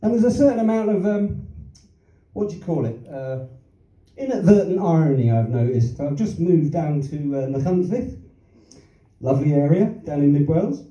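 The voice is a little high, animated and dark-toned at a moderate pace: an older Londoner doing a stand-up routine on a small theatre stage with a handheld mic. He wanders through anecdotes with chuckles and self-deprecating asides, captured from the audience in a roomy, distant, dull recording.

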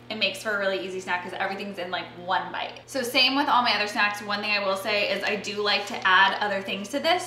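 A woman's voice: mid-range voice, bright, forceful tone. An American woman in her thirties chatting casually to camera as she hosts a cooking demonstration, in an informal conversational way. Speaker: fitness vlogger and recipe host. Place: home kitchen, indoors. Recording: roomy kitchen echo, faint background noise.

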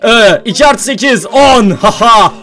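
A young man chatting through a let's-play with a very high voice that leaps all over. He talks straight to his viewers, jumpy and quick to yelp when scared. Faint music plays behind him. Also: expressive, sharp tone. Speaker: gaming YouTuber. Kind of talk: casual let's-play commentary.

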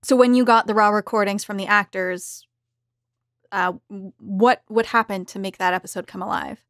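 A woman's voice: medium pitch, fairly even intonation, normal speed, a bit bright, no echo, studio quality. A woman asking questions as the interviewer in a casual roundtable.

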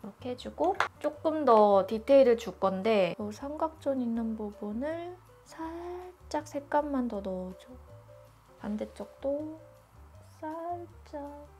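A woman's voice: sits high, animated, slow pace, a little mellow, faint music behind. A woman hosting a makeup tutorial, explaining each step in a chatty, informal way. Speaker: beauty YouTuber.

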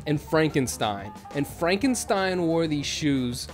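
A man's voice: on the high side, slow pace, faint music behind. A man in his thirties giving casual, sarcastic reaction commentary into a desk microphone at home. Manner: sarcastic, animated. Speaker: YouTube commentator. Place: small home streaming room, indoors. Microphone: desk microphone on a boom arm.

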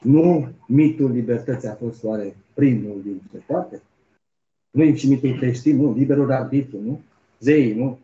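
A man giving an academic keynote, telling a story and checking in with the audience through rhetorical questions. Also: mid-range voice. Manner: storytelling with frequent rhetorical "nu?" tags. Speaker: keynote speaker. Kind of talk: academic lecture, retelling a story. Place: conference hall. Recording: roomy, dull lo-fi lecture recording.

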